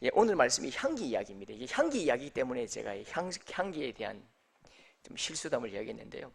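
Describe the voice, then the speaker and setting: A man's voice: mid-range voice, very animated, quick pace, vocal fry, breathy edge. A male pastor preaching a sermon, telling folksy stories with acted-out quotes.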